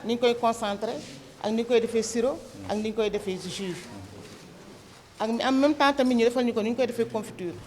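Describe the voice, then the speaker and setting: A woman's voice: fairly high pitch, fairly quick, darkish tone. A woman who took part in a training, explaining at length in an interview. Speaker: training participant. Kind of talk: interview answers.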